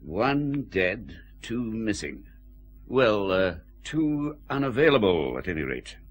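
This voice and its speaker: An actor playing a weary, sardonic senior police chief in a radio drama, grumbling with dry authority. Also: male voice, lowish voice, sing-song, takes it slowly, exaggerated voice. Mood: stern. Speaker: head of CID, senior police officer.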